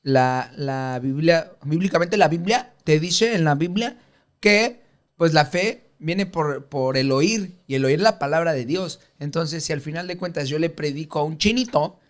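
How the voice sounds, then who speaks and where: A man's voice: a little high, a little slow. A man co-hosting a Christian podcast, chatting casually with jokes and slang. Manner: joking, teasing slang, excitable. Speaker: podcast co-host. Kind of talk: casual banter.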